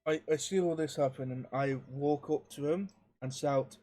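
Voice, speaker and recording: A man's voice: on the high side, moderate pace, mellow. A man playing a tabletop game as a player, talking casually with some stammering. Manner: hesitant, stammering.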